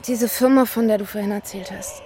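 Actress for uneasy, musing female babysitter and narrator, naturalistic radio drama, mid-pitched, music bed. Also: steady tone, brisk, mellow, natural voice. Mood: musing, doubtful. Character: woman named Alice, pensive, uneasy babysitter and narrator. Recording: music under the voice.

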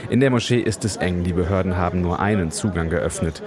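A man reading a scripted radio news report in an even, formal manner, also voicing translations of interviewees. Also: low-pitched, brisk, a crowd in the background. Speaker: radio correspondent.

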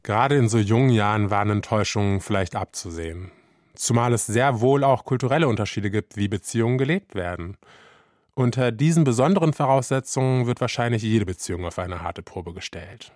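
A man reading documentary narration in a measured, low-key manner. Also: a little mellow, no echo, studio quality.

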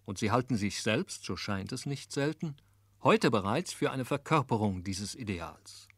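A man narrating a scripted radio feature in a formal, measured way. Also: lowish voice, expressive, fairly bright tone, dry recording, clean studio sound.

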